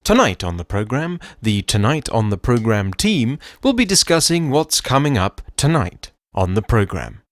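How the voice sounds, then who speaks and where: A man doing a deadpan, formal mock TV announcement. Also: mid-range voice, normal speed, hardly any pauses, dry recording, clean studio sound.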